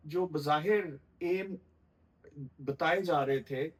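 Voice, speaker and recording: A middle-aged man, a guest commentator giving measured political analysis in formal language with frequent thoughtful pauses. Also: on the high side, rough recording.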